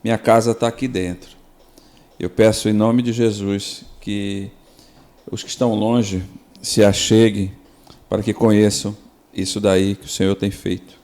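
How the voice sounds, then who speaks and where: A Brazilian man, a pastor, speaking earnestly on a devotional podcast and slowing down to quote scripture and prayer. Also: lowish voice, flat delivery, a little mellow. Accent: Brazilian Portuguese.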